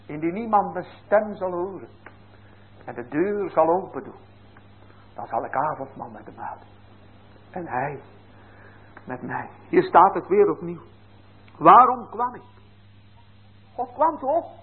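Man, preacher, sermon, high voice, hushed then urgent, thin phone-like sound. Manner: swings from quiet to raised emphatic appeals. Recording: tinny phone-like church recording.

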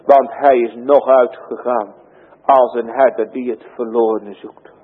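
A man preaching a sermon in a church, solemn and slow, rising to emphatic cries. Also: mid-range voice, fairly even intonation, breathy edge, big-room sound, phone-quality sound.

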